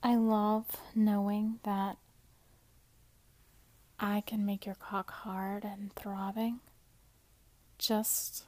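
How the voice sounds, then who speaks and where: A woman speaks unhurriedly and very slowly, drawing out each teasing phrase and often sliding into a hushed whisper. She sits close to the microphone in a dry, dead room with no echo at all. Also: medium pitch, flat delivery. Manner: teasing, soft-spoken with frequent whispers. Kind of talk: intimate audio roleplay.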